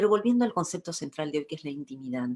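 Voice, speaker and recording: A woman's very deep, low voice in a dry, close sound with no echo. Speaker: speaker on emotions. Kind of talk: talk to a live audience.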